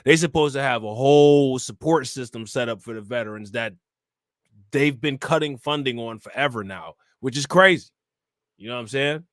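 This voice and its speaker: A man's voice: medium pitch, moderate pace, a bit bright, no echo, studio quality. A man reacting to news clips as a streamer, talking in loose slang and laughing often. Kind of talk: casual commentary.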